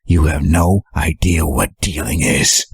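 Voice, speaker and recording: A man's voice: extremely low pitch, steady tone, a little slow, husky, no echo, studio quality, full character voice. A man playing a hot-tempered, guilt-ridden young team leader, sarcastic and confrontational, in an amateur audio drama. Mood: bitter, guilty.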